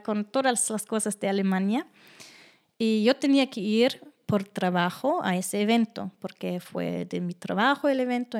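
German woman telling stories, lively. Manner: animated, acts out quoted voices with high pitch jumps. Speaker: guest. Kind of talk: casual interview storytelling.

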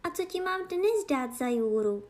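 A proud young princess speaks high and teasing, as a woman reads her, her voice lifting well above a storyteller's. She sounds moody and spoiled, a girl out of a fairy-tale storybook. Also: lively intonation, a little mellow.

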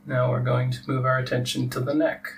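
A man leading a guided relaxation meditation as a teacher, giving soft instructions with long pauses. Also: medium pitch, level tone, creaky. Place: live group meditation session. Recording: distant mic with faint background noise.

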